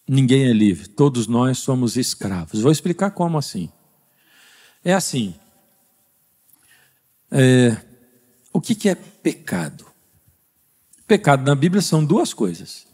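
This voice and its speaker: A man's voice: medium pitch, big pitch swings, slow pace, long pauses, a little mellow, breathy edge. A man with a Brazilian Portuguese accent preaching a sermon as pastor, speaking conversationally and quizzing the congregation with rhetorical questions. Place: church service.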